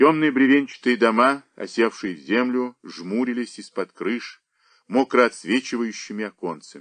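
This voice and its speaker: A man speaks in an ordinary speaking voice at medium pitch and a fairly slow pace. The sound is dry and close with no echo, over a quiet background. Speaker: audiobook narrator. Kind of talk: reading aloud.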